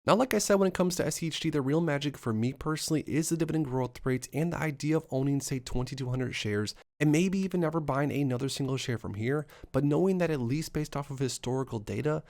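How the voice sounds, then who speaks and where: A man in his thirties hosting an investing channel, talking fast through numbers with upbeat lists and asides. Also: on the high side, a little mellow. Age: 30s. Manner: brisk, upbeat run-on explaining with lots of lists and asides. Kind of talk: solo finance talk to camera.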